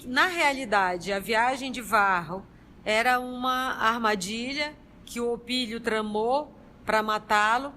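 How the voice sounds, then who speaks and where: A woman recapping a story from memory, slow and halting. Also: on the high side, bright, forceful tone, slight background noise. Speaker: study group member giving a recap.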